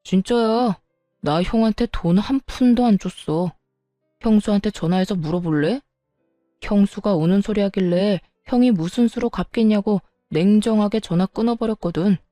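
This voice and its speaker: A woman's voice: mid-range voice, moderate pace, warm tone, no room sound, clean studio sound, soft background music, close to an everyday voice. A woman voicing a cold, stingy young husband who lectures his wife dismissively. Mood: smug. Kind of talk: storytelling dialogue.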